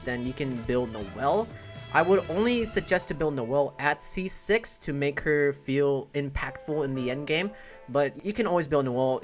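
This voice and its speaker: A man's voice: medium pitch, a bit bright. A man giving casual, explanatory game commentary in a conversational, emphatic way, as a content creator.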